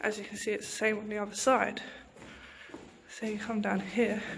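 The pace is fairly quick. Light background noise sits underneath. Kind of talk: casual vlog commentary. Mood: calm, explanatory. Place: tunnel cave. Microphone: phone near.

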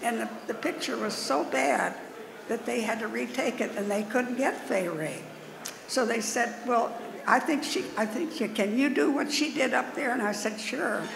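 Over noticeable background noise, a woman speaks at a fairly high pitch with lively intonation. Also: moderate pace. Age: 80s+. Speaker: former film actress and stunt double. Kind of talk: interview answer. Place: stage. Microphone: podium.

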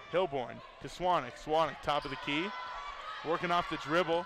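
Over noticeable background noise, a man speaks with a high pitch and ordinary pitch variation. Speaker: radio play-by-play announcer. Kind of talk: live radio play-by-play sports commentary. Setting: radio broadcast booth at the gym with crowd. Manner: fast, excited play-by-play, rattling off passes and scores, laughing at his own slips.

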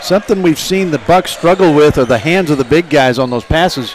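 This man's voice is fairly high, with ordinary pitch variation and a moderate pace. The sound is dry with no echo, over light background noise. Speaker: color analyst. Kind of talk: live sports commentary. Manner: conversational, explanatory. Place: booth.

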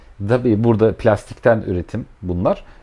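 A man is speaking. His pace is moderate. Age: 30s. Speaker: YouTuber, die-cast model car collector; YouTuber. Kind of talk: video review. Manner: casual, conversational. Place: home room.

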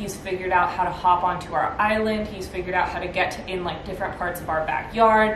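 A woman speaks over noticeable background noise. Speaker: dog owner vlogger. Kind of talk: casual vlog chat. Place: home room. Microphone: camera far.

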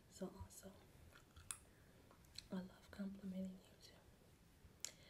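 Soft-spoken and soothing in tone, a woman talks at a medium pitch over noticeable background noise. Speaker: ASMR creator. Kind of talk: ASMR relaxation and affirmation talk. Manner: soft-spoken, soothing. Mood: warm, reassuring. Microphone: studio mic.

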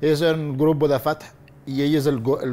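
At a moderate pace, a man talks with an Arabic accent. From Gaza, Palestine; Palestine. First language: Arabic (speaking Spanish). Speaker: small business owner; interviewee. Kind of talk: interview. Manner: halting. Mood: earnest, grave. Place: home room. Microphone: lapel.

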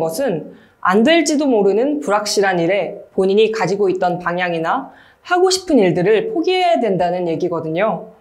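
Against a quiet background, the speaker moves at a moderate pace with very wide swings in pitch. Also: woman. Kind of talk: interview answer. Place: studio.

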